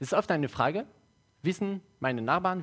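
A man delivers his words at a fairly quick pace with lively intonation. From Switzerland, French-speaking. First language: French (speaking German). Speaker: lay preacher. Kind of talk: sermon. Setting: church service, also streamed online.

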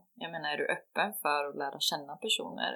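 A woman speaks at a very fast pace. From rural Sweden. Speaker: podcast guest. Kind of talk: casual chat.

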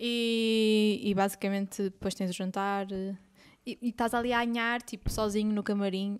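Very clean recording with a silent background, a woman's fairly high voice in a monotone, flat intonation at a moderate pace. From Porto, Portugal. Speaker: comedian and pathologist doctor.

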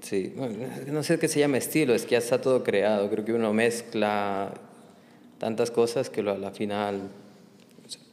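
A man talks at a fairly slow pace with ordinary pitch variation. Room echo is audible. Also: medium pitch for a man. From Ecuador, Loja; moved to Madrid at 14. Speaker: tattoo artist. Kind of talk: interview.

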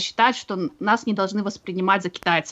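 Moderate pace and ordinary pitch variation in an unremarkable speaking voice. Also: woman. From East Kazakhstan, Ust-Kamenogorsk area. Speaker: event organizer. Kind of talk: casual chat.

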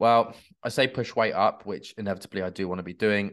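A man with an English accent speaks at a moderate pace. The background is quiet. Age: 30s. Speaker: fitness coach. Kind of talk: solo podcast monologue. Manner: casual, rambling with fillers.

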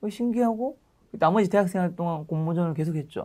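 Very fast speech from a man with a dark, mellow tone and very wide pitch swings. The recording is very clean, with a silent background. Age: 40s. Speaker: author and finance YouTuber. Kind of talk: interview.

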